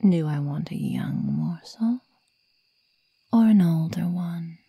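A woman playing a sadistic female werewolf toying with human prey in a breathy, menacing, mockingly sweet ASMR roleplay whisper. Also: fairly low pitch, slow pace, dark tone, no room sound, heavily acted. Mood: predatory, teasing.

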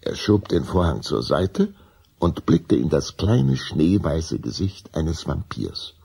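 A man narrating a children's radio play as an unhurried storyteller, with a dark, husky, gravelly voice. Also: extremely low pitch, big pitch swings, exaggerated voice. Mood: measured.

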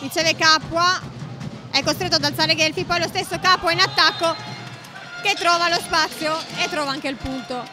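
A woman's voice: very high-pitched, fairly even intonation, normal speed, music in the background. A woman giving live play-by-play commentary on a volleyball match.

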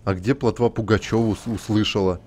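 A man's voice: on the low side, steady tone, fairly quick, a little mellow, slightly rough. A man giving casual commentary while playing a video game, crude and mocking, swearing heavily. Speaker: gamer commenting on playthrough.

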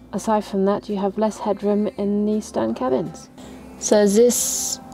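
A young adult woman calmly explaining boat layouts in a measured voice-over, with some fillers. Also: mid-range voice.

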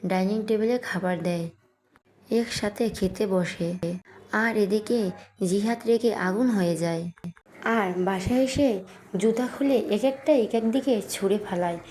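A woman reads a romantic audio story aloud, narrating and voicing every character in much the same way. Her tone is mellow and dark rather than bright, and she keeps a steady, unhurried storytelling rhythm. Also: mid-range voice, slight background noise.

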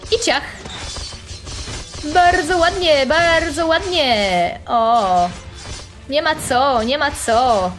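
A young woman commentating her own online game playthrough, chatty and excitable, talking straight to her viewers and making playful sound effects. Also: high-pitched. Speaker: gaming channel host. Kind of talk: playful let's-play commentary.

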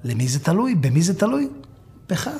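A man's voice: on the high side, big pitch swings, mellow. A male rabbi preaching a sermon, telling a story dramatically and asking his listeners rhetorical questions.

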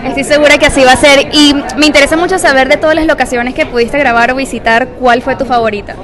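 An upbeat woman reporter asks eager questions into a handheld mic. Her voice is high, and crowd chatter carries behind her. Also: steady tone, fast. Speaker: entertainment reporter. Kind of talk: red carpet interview. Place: premiere red carpet, indoors.

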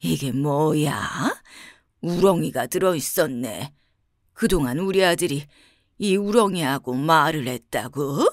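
A stern old village mother, played by a woman in a bedtime storybook. She speaks lower than the storyteller's own voice and sounds scolding and suspicious. The sound is close and dry. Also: unhurried, no echo.

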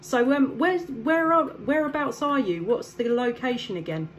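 English woman radio operator, friendly, higher pitched voice. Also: lively intonation, normal speed, heavy background noise. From south east England. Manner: friendly, upbeat, ends turns with "back to you". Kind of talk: casual radio chat.

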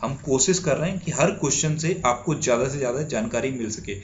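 Reading quiz questions aloud and answering them himself, an Indian tutor repeats each answer while teaching current affairs for exams. He speaks quickly in a mid-range voice, and the lo-fi recording carries a little hiss or hum.

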